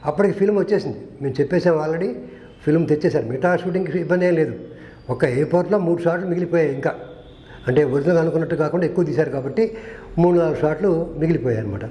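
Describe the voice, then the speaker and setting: This older man is a film director sharing stories from earlier film sets, earnestly acting out what people said. He speaks in a slightly high, mellow voice at a racing pace, and the room echoes.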